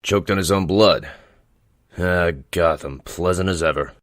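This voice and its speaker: Low-voiced, weary police commissioner. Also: male voice, unhurried, a bit bright, no echo. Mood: wry, weary. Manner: dry, gruff, musing. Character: world-weary, sardonic older male police commissioner. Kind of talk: crime audio drama dialogue. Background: background music.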